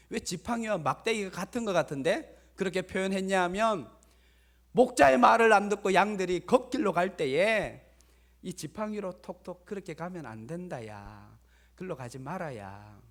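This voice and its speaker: Male pastor, Sunday sermon, fairly high voice, emphatic then soft. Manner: preaching with emphatic rises and soft asides. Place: church sanctuary.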